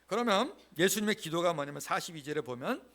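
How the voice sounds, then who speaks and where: Male pastor, Sunday sermon; fairly high voice with lively, wide-ranging pitch, emphatic repetition, leads call-and-response. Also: fast talker. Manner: leads the congregation in repeating lines aloud; emphatic, repeats key phrases. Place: church sanctuary.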